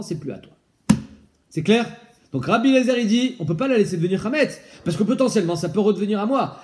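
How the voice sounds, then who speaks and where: A man with a fairly high voice, leading a casual Talmud study session. He explains lively and keeps asking his student questions, with Hebrew and Aramaic terms sprinkled through his talk. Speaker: Talmud teacher.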